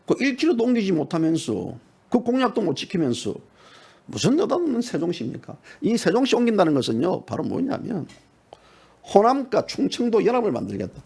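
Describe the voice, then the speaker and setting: A middle-aged man giving heated, mocking partisan political commentary, dropping to low mutters and jumping to sudden high shouts. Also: wildly swooping pitch, brisk, creaky, breathy edge.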